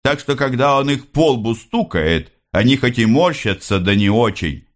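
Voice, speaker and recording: A man's voice: deep voice, lively intonation, a little slow, fairly bright tone, clean tone. A man doing a wry, mocking young lodger. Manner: dry and wry.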